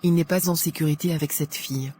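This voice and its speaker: A man's voice: fairly high pitch, steady tone, quick pace, a little mellow, breathy edge. A man voicing a worried, indignant Christian mother and pastor's wife in a cartoon. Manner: fretful, indignant. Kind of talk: French-language Christian cartoon acting.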